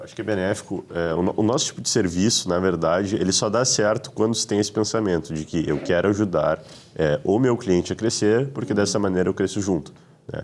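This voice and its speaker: A man talks at a fairly quick pace in an ordinary speaking voice. His pitch varies in an ordinary way. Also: fairly low pitch for a man. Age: young. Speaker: young entrepreneur. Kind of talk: interview.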